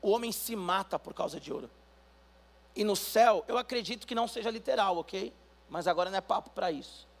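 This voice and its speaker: A man with a Brazilian Portuguese accent preaching a sermon as pastor, building to loud emphatic calls for the congregation to respond. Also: sits high, brisk, creaky.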